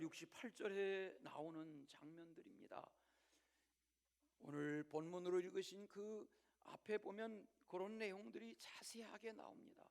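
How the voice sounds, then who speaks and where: Male pastor, high gravelly voice, dramatic sermon delivery that swings from loud to whispered. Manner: direct repeated appeals to the congregation. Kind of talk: Sunday sermon. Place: church service.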